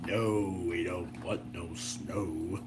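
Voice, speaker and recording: A man's voice: deep voice, steady tone, extremely slow, noisy background. A slightly tired American man rambling casually through a homemade vlog in a folksy, jokey way. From southern Illinois, United States. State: a little tired. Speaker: gadget video host.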